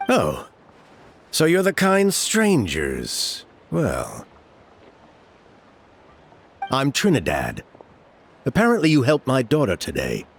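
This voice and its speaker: An actor playing a stern, protective middle-aged tribal elder and father in a game, with a measured, formal way of speaking. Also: mid-range voice, huge pitch swings, vocal fry, slight background noise, full character voice.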